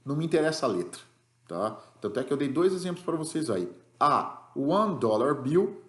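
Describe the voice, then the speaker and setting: A man's voice: a little high, sing-song, fast, a little mellow, roomy sound. A man with a Brazilian Portuguese accent teaching an English grammar lesson, explaining rules patiently and checking in with the class after each point.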